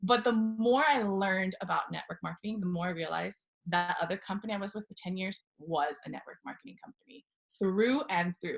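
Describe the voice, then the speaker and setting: A somewhat breathy, animated woman's voice at medium pitch, fairly quick, with ordinary pitch variation and big swings in loudness. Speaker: network marketer and gym owner. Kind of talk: interview. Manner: fast.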